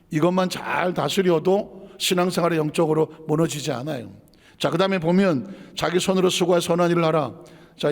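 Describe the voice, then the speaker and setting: A male pastor preaching a sermon with animation, acting out quarrels in mock voices and dropping to low asides. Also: gravelly. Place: church sanctuary. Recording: long hall reverb.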